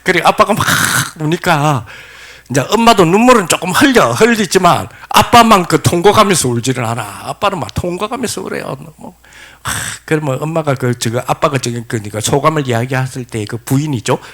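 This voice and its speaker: A man's voice: on the high side, a little fast. A middle-aged man, preaching a lecture-style sermon, asking the congregation questions and acting out quoted voices. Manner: animated storytelling, asks the congregation questions. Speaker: pastor.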